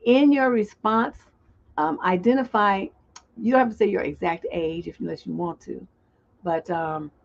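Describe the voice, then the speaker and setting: Lower-voiced woman hosting a lo-fi stream. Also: moderate pace, gravelly. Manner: chatty, loose and improvised, reading comments aloud. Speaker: relationship coach and show host. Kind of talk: live-stream call-in show. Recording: dull lo-fi stream audio.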